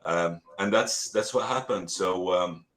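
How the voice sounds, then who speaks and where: Deep-voiced man from Lebanon. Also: a bit bright. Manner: earnest, halting, with many restarts and fillers. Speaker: real estate agent, guest. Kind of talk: casual interview talk.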